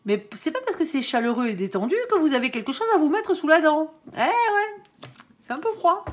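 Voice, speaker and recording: Lively chatty woman reading tarot. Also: high voice, a little fast. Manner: chatty, peppered with "hein"; addresses viewers and her angel directly. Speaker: tarot reader. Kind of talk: casual tarot card reading.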